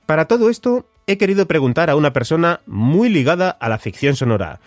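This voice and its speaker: A man's voice: a little high, very animated, brisk, no room sound, faint music behind. A man with a Spanish accent hosting a podcast, talking with enthusiastic emphasis. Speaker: podcast host. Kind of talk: scripted podcast intro.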